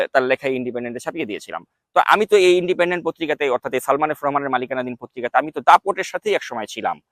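The man's pitch swings very widely. The sound is dry and close, with no echo. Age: young. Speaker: political commentator. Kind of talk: monologue commentary.

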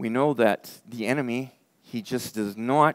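The man's delivery is fairly slow, his pitch varies in an ordinary way, and the background stays quiet. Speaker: pastor. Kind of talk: sermon. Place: church. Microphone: headset.

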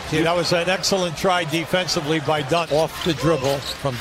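At a moderate pace, a man with a fairly high pitch speaks in a dry sound with no echo, with noticeable background noise behind him. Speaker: basketball TV color commentator. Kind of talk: live basketball play-by-play and color commentary. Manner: excitable bursts of exclamation on big plays; analytical, explaining strategy between plays. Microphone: headset.

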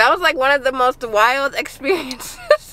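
A woman uses a raised, projected voice, and the sound is dry with no echo. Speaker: vlogger. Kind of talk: casual vlog chat. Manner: numb, slurred speech after tooth extraction. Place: car. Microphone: phone near.

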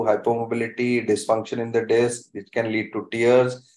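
The speaker is a man. There is audible echo from the room. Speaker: presenter. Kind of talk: lecture. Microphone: video call.

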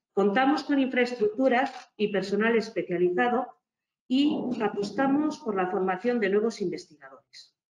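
In an unremarkable speaking voice, a woman speaks at a fairly high pitch and a moderate pace with lively intonation. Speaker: food research director. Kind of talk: technical presentation. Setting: video call.

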